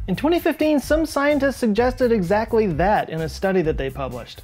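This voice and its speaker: A man talks at a very fast pace with faint music in the background. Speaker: science video host. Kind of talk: educational commentary. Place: home room.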